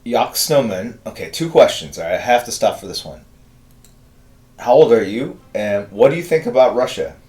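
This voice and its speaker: A man's voice: medium pitch, animated, normal speed, a little mellow, roomy sound. A man in his fifties hosting a live drawing stream, chatting casually with viewers and rambling through answers with many fillers. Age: 50s. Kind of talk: casual chat reading viewer messages.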